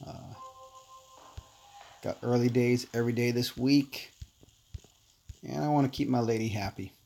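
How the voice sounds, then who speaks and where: A man casually chatting with viewers while playing a game on a livestream, relaxed and talkative. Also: mid-range voice, measured pace, gravelly, soft background music. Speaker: livestream gamer.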